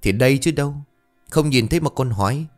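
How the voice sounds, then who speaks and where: A man's voice: mid-range voice, lively intonation, a little fast, a little mellow, soft background music, pitched above the performer's own voice, close to an everyday voice. A man voicing a panicky, bumbling young husband who blusters when he is flustered, lifting his voice a little above his own in a told ghost story. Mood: irritated.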